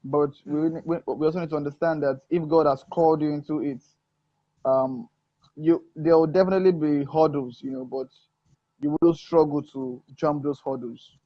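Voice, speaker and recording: Earnest preacherly man, higher-pitched, muffled. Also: normal speed, no echo. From Africa. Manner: earnest, preacherly, many "um"s and "you know"s. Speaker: gospel singer and guest. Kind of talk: casual interview chat. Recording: muffled dull sound, dry.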